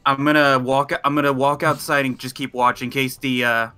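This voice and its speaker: A man's voice: medium pitch, level tone, a little fast, bright, forceful tone, clear, resonant tone. A man chatting casually as a player in a tabletop roleplay game.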